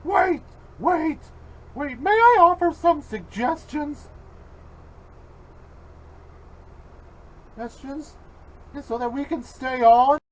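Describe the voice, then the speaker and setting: A man voicing an anxious, excitable villain who wheedles and bargains in an amateur fan cartoon. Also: very high-pitched, slow pace, rough recording. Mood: alarmed, pleading.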